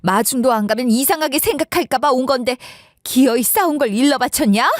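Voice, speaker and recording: A woman voicing a hot-tempered middle-aged stepmother who shouts and scolds in a story. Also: high voice, brisk, no room sound, clean studio sound, natural voice. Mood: furious.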